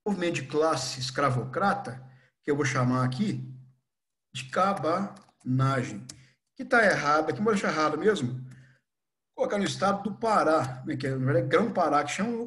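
A young adult man with a Brazilian accent teaching a history class, animated and playful, acting out little scenes. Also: on the high side. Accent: Brazilian Portuguese. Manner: animated, acts out scenes with voices. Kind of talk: lively online class lecture.

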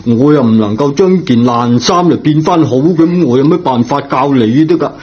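A kindly older male servant, acted by a man, fretful and easily flustered, with a rough husky voice. The radio drama sounds dull and lo-fi. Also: medium pitch, normal speed, lightly acted. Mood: doubtful. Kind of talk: Cantonese radio drama acting. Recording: dull, lo-fi old radio recording.

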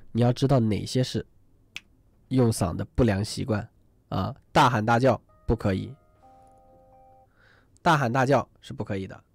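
A man's voice: lowish voice, creaky, no room sound. A man teaching an online singing class, chatty and rambling, often asking students to type numbers in the chat. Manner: rambling with many fillers and restarts. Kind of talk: live online class lecture.

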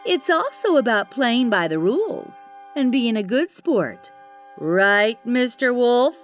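A woman's voice: on the high side, big pitch swings, slow. A woman playing a perky, friendly storyteller who hosts a children's cartoon and exclaims to young listeners. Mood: cheerful. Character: perky, friendly female storyteller and race announcer. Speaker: host and narrator. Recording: music behind the voice.

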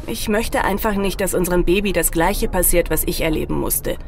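A woman acting a caring young mother and daughter-in-law in a German audio drama, speaking gently, earnestly and insistently. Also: lowish voice, brisk, gravelly, a little hiss or hum.

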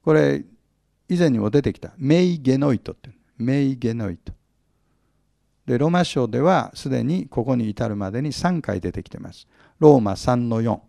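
Man, pastor, Bible sermon, gravelly voice, animated pitch, quizzes the audience, humorous, forceful stress. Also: normal speed, no room sound, clean studio sound. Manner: asks the audience questions often; humorous, acts out little scenes.

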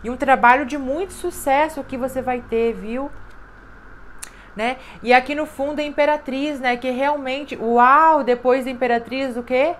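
A woman's voice: high-pitched, fairly even intonation, measured pace, slight background noise. Emphatic woman reading tarot. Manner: emphatic, repetitive, with frequent "né?" and "sabe?". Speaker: tarot reader. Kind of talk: intuitive tarot card reading.

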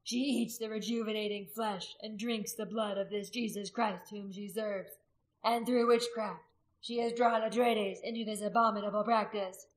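A woman's voice: medium pitch, steady tone, moderate pace, echoey room, natural voice, low-quality recording. Woman doing a pompous, accusing tribal orator. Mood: solemn, accusing. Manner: declamatory, grave, accusing. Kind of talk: dramatic audiobook character acting.

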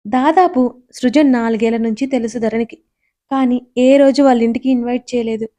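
A woman storyteller narrating a romantic audio story in a calm, even manner. Her voice is mellow and warm, set a little high. The reading is steady and scripted. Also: fairly quick.

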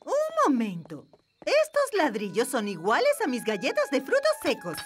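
A theatrical fairy queen for a children's cartoon, proud and easily wounded. Her voice is high and swoops expressively, with a Latin American Spanish accent and faint music behind. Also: huge pitch swings, moderate pace. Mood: hurt, indignant.

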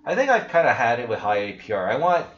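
A man's voice: mid-range voice, big pitch swings, fast talker, fairly bright tone. Skeptical young man, echoey lo-fi room. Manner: blunt, skeptical, rambling with restarts. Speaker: crypto channel host. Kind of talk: casual screen-share commentary. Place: small room indoors. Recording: echoey room, dull lo-fi sound.

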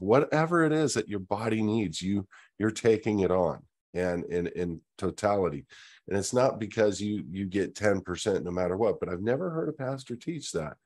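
A middle-aged man speaking his opinions in a monologue on a video call, earnest, often restarting his words. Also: sits low. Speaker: host. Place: indoors, virtual Q&A backdrop. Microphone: webcam video call.

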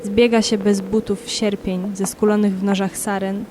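A woman reciting poetry for an audio drama in measured, solemn, short phrases, with music behind her. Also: medium pitch, little pitch movement, background noise.

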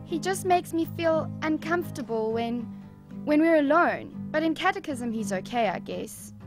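A woman's voice: sits high, expressive, normal speed. A woman playing a troubled, hesitant young boy in an audio drama, with guitar music behind. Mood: anxious, reluctant.

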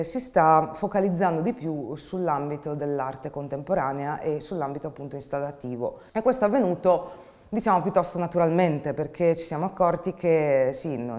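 Low-pitched woman, measured and reflective. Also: darkish tone. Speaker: actress and theatre group co-founder. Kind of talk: interview monologue about own artistic work. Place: dark indoor studio, seated.

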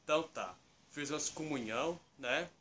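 A man's voice: fairly high pitch, moderate pace, fairly bright tone, slight background noise, close to an everyday voice. A man with a Brazilian accent playing a talkative toy bull who hosts an improvised puppet skit, rambling and often appealing to the viewers. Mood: chatty. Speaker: host.

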